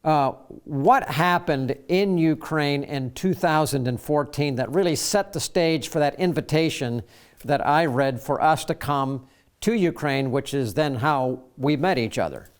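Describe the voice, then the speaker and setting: Slightly high-voiced talk show host. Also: male voice, a little slow, clear, resonant tone. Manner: reads a letter aloud, then interviews with fillers. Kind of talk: broadcast talk show hosting.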